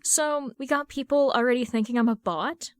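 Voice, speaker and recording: A woman's voice: sits high, normal speed, no echo, clean studio sound, voice pushed up, lightly acted. A woman reading the part of a teasing young man, a sarcastic best friend with a casual manner, in a story. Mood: wry.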